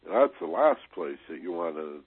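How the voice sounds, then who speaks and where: Husky deep-voiced man on tinny radio. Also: big pitch swings, normal speed, no room sound. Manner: conversational, peppers talk with "you know" and "right?". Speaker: radio host. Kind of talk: motivational radio talk. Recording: tinny, dry, band-limited radio sound.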